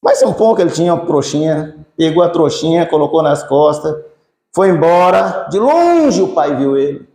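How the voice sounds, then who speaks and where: A man telling a story in a sermon, colloquial and lively, addressing the congregation by name. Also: a little high, moderate pace. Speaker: preacher. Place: church. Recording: echoey church hall.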